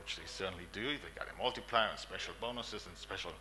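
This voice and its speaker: Speaking fast in a low, sharp-toned voice, a forties-aged Israeli-accented man delivers an emphatic conference talk in a meeting room. He repeats lists, coughs often, and leans on fillers, captured in a low-quality recording with slight background noise.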